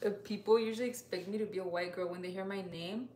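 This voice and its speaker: A woman's voice: medium pitch, steady tone, fast, darkish tone. A young woman chatting at home in an opinionated, wry way, often breaking into laughter. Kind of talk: casual chat. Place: home kitchen, indoors. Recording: echoey kitchen with faint hum.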